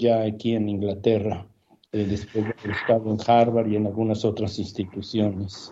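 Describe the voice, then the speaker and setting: A man's fairly low-pitched voice, dark and mellow in tone, monotone and flat at a fairly slow pace. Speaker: physician and researcher. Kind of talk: interview.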